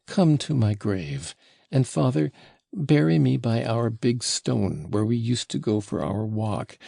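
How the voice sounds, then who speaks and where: A man's voice: medium pitch, gravelly, warm tone, breathy edge, no room sound, studio quality, full character voice. A man voicing a sick, tender little boy in an audiobook, pleading in an earnest, plaintive way. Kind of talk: audiobook character voice.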